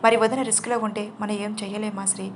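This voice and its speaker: A woman's voice: mid-range voice, little pitch movement, fast talker, slight background noise, natural voice. A woman voicing a playful, affectionate young wife who teases in a storybook reading. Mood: worried.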